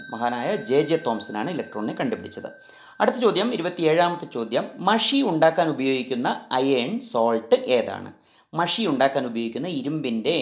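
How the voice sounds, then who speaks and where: Man teaching a chemistry quiz, roomy sound. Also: mid-range voice. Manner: repeats each question, switches between languages, coaxing pauses. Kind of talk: quiz lesson, asking and answering questions. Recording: roomy, slightly dull sound with faint music.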